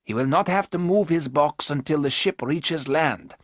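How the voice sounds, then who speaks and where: A man reading aloud, voicing a wise older professor who explains his plans in a measured, firm way. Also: on the high side, dry recording, clean studio sound, pitched above the performer's own voice, lightly acted.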